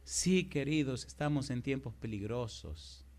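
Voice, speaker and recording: A man preaching a live sermon to a congregation, telling stories and building to loud, emphatic cries. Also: medium pitch, animated, unhurried. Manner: retells conversations, acting out each speaker. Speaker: pastor. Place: church before a congregation.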